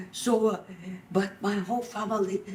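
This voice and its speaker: Over noticeable background noise, a woman speaks fairly slowly in a fairly high voice with fairly even intonation. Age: 80s+. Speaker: Holocaust survivor. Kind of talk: interview answer.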